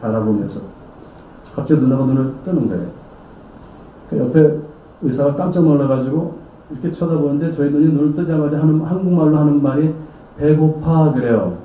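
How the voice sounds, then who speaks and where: A man's voice: on the high side, fairly quick, warm tone, a little hiss or hum. A male pastor giving a dramatic sermon testimony and acting out the voices of the people in his story. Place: church hall. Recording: roomy, distant sound with faint ambience.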